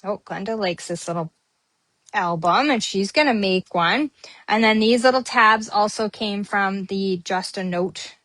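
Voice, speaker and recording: A woman's voice: mid-range voice, measured pace, a bit bright, no echo. A woman hosting a casual papercrafting tutorial, chatting with many ums as she works on her project. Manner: chatty, many ums, talks while working. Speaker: papercrafting host.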